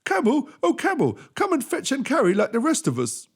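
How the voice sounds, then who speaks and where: A man voicing an eager, insistent dog in a storybook, with an excitable, urgent manner. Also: extremely high pitch, fairly quick, gravelly, husky, pitched above the performer's own voice, full character voice. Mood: eager pleading. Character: eager male dog, high-pitched and insistent.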